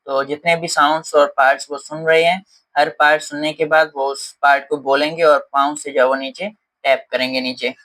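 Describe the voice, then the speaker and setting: Bright-voiced Indian man explaining a lesson. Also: fairly high pitch, level tone, moderate pace, rough recording. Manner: explains step by step, with many fillers and Hindi mixed with English terms. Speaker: teacher.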